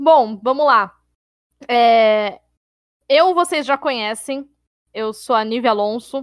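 A woman with a fairly high pitch and ordinary pitch variation has an unremarkable speaking voice, captured dry and close with no echo in a very clean recording over a silent background. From Brazil. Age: 20s. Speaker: podcast host. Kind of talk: casual chat.

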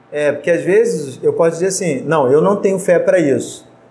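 At a moderate pace, a man with a high pitch talks using ordinary pitch variation. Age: 40s. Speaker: church teacher. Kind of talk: Bible study discussion.

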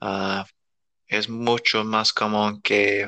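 Monotone, flat intonation runs through the speech of a man with a fairly low pitch and an English accent. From US South, Alabama. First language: English (speaking Spanish). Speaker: nurse. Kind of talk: casual interview. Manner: halting, many fillers.

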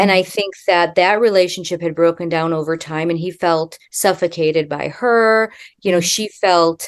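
In an unremarkable speaking voice, the speaker keeps fairly even intonation at a moderate pace with hardly any pauses against a quiet background. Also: woman. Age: 40s. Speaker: mortuary science professor and podcast co-host. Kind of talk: casual chat.

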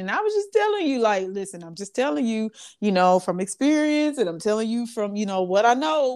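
A woman has a plain, everyday voice at medium pitch with ordinary pitch variation. She talks at a fairly quick pace in a very clean recording with a silent background. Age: 20s. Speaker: podcast host. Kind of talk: casual interview.

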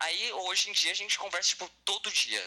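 With a bright, sharp tone, the man delivers his words at a fairly quick pace. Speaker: church youth group member. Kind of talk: casual chat. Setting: video call.

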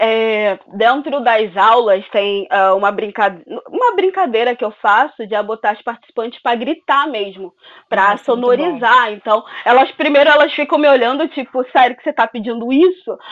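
At a moderate pace, a woman speaks in a high pitch with lively intonation and big swings in loudness. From Rio de Janeiro, Brazil (raised there, Angolan family). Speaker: pelvic movement and dance teacher. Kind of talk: casual chat.

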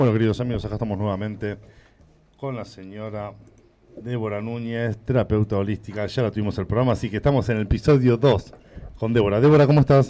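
A man's fairly low, dark, mellow voice at a very fast pace, with a Rioplatense accent and fairly even intonation. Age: 40s. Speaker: radio host. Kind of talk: casual radio talk.

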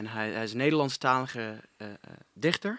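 Very clean and silent in the background, the recording has a man with an English accent speaking at a fairly slow pace in a bright, sharp tone with ordinary pitch variation. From New Zealand. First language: English (speaking Dutch). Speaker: singer and trombonist. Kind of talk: casual interview.

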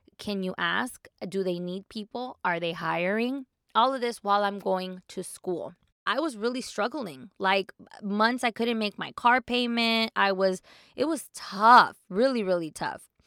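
Bright, sharp and animated, a woman speaks at a fairly slow pace with ordinary pitch variation in a dry, close sound with no echo on a very clean recording with a silent background. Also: medium pitch for a woman. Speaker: radio host and podcaster. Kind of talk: motivational monologue.

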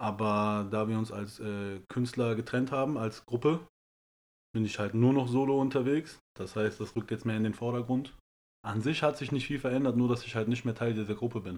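A man with an ordinary speaking voice talks at a moderate pace, his pitch medium and his intonation fairly even. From Germany, Münster (Westphalia). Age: 30s. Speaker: stand-up comedian. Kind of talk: casual chat.

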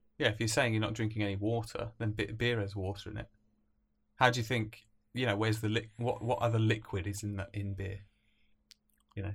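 On a very clean recording with a silent background, a somewhat breathy man speaks in a monotone, flat intonation at a fairly quick pace, with long, frequent pauses. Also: fairly low pitch for a man. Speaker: guest. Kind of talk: casual comedic chat. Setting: inside a closet, muffled.

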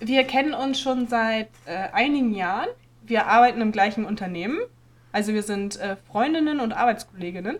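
A woman's fairly high voice with ordinary pitch variation, amid noticeable background noise. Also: moderate pace. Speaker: podcast co-host. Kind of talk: casual chat.

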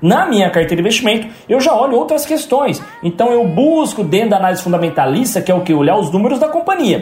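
A man talking at a very fast pace with very wide pitch swings, audible room echo and noticeable background noise. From interior of São Paulo state, Brazil. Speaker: stock market investing educator, finance youtuber. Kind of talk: interview, explaining investing. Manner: casual, explanatory.

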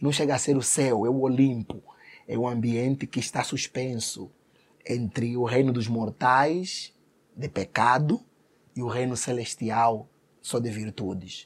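Fairly slow in pace, the speech has fairly even intonation and long, frequent pauses. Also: man, medium pitch for a man. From Angola, Luanda. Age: 30s. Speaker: pastor. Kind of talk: interview.

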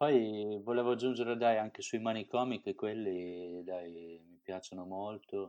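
A man with a dark, mellow tone talks fairly slowly, his intonation fairly even. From Romagna (Forlì), Italy. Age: 40s. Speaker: photographer of abandoned places. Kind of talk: interview.

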